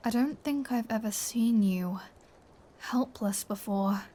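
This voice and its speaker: Slow, mellow, flirty vampire woman, acted. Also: mid-range voice, slight background noise, close to an everyday voice. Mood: teasing, taunting. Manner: playful, smug, teasing, dropping into breathy whispers. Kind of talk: scripted ASMR audio roleplay.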